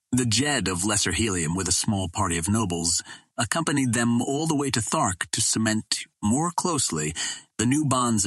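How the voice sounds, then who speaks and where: A man's voice: on the low side, fairly bright tone, breathy edge, no echo. A man narrating an adventure novel as a scripted audiobook reading.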